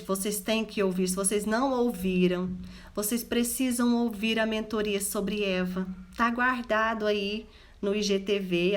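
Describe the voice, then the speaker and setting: A woman with a Goiás Brazilian accent, giving a live devotional talk and speaking straight to her listeners. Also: mid-range voice. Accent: Goiás Brazilian Portuguese. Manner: addresses listeners directly, animated. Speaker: Christian women's mentor.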